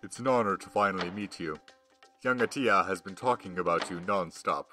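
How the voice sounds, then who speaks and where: A woman playing a kindly, dignified old grandfather who speaks formally and admonishes gently in an audio drama. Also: extremely low pitch, faint music behind. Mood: courteous. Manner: formal, measured wording.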